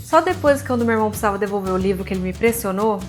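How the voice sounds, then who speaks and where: A woman's voice: mid-range voice, expressive, racing. A woman with a Brazilian Portuguese accent that pulls the R, teaching writing in an informal, candid way and reading from books. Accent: Brazilian Portuguese with a pulled R. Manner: informal, candid, addresses viewer directly. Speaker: host of a writing advice series, author. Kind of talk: didactic video talk with read-aloud book excerpts. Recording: music behind the voice. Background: music.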